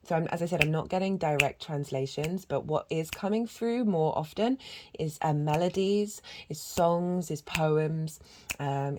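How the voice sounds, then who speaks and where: A woman with a croaky voice giving a channelled astrology reading, talking in a gentle, flowing, spiritual way with frequent ums. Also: low-pitched, noisy background. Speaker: astrology and tarot reader.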